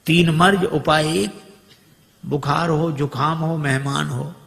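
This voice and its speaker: A man voicing a scolding, quick-tempered housewife in a story. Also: a little high, fairly even intonation, creaky, fairly bright tone, full character voice. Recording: long hall reverb.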